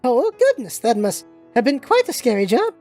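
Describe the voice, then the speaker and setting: Woman putting on a haughty posh young lady, high-pitched. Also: big pitch swings, moderate pace, mellow, soft background music. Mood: polite, curious. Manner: prim, imperious, old-fashioned genteel phrasing. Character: haughty young lady super heavy tank, posh and indignant.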